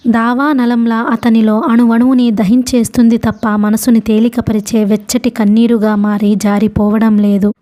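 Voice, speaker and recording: Mellow-voiced woman reading a novel aloud. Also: a little high, little pitch movement, normal speed. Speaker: narrator.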